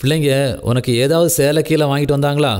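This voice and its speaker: Older male voice, actor playing a worried father weighed down by debts, hushed and weary, slightly high pitch. Radio drama. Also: fairly even intonation, fast, clear, resonant tone, natural voice.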